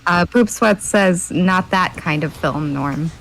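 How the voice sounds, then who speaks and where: Slow flat-voiced Midwestern woman. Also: on the low side, vocal fry, slight background noise, low-quality recording. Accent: Midwestern American. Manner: flat, unhurried delivery. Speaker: co-host reading viewer comments.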